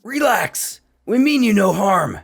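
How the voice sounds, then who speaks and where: Man acting proud young alien prince, short-tempered, indignant, high-pitched, animated swings, music behind. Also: slow pace, vocal fry, husky, heavily acted. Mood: placating.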